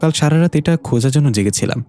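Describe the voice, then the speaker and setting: Man doing a sleepy polite librarian guy in a storybook, mellow warm voice. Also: fairly high pitch, expressive, fast talker, voice pushed up. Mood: earnest. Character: tired, helpful male librarian.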